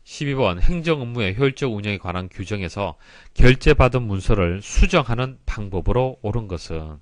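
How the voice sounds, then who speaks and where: A man's voice: fairly low pitch, animated, fairly quick, dry recording, clean studio sound. A man giving an explanatory exam prep lecture in a didactic way, stressing key terms and explaining politely. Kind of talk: explanatory lecture, reading and solving exam questions.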